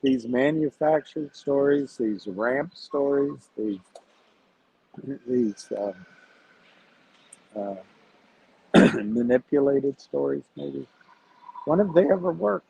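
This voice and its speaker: A man hosting a casual livestream about investing, talking to his viewers in a measured, reflective way as he thinks aloud. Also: mid-range voice, lively intonation, vocal fry, dark tone, slight background noise. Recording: tinny phone-like sound.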